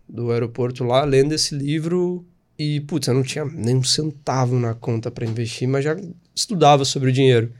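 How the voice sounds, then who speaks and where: A man in his thirties from Espírito Santo with a Brazilian Portuguese accent, a podcast guest talking casually and animatedly about his life. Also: medium pitch. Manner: animated, chatty, frequent tag questions. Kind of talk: casual storytelling interview.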